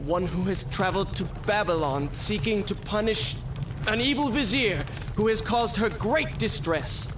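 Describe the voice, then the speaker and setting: An actor playing a proud, determined young warrior prince who speaks in an earnest, formal manner. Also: male voice, high voice, animated, normal speed, background noise. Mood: courtly. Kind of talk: video game cutscene acting. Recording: loud orchestral score behind.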